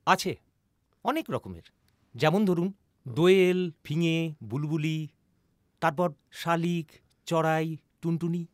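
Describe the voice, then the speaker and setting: An actor playing a polite, educated male guest in a film drama, gently enthusiastic and sprinkling in English phrases. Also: fairly high pitch, slow, pauses often, no echo, clean studio sound. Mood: polite explaining. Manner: courteous, English phrases mixed in.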